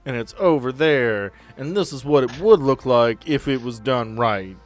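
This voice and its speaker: A man's voice: medium pitch, unhurried, soft background music, close to an everyday voice. A man voicing a tiny, annoyed wasp man in a tabletop game, sassy and exasperated. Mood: sarcastic.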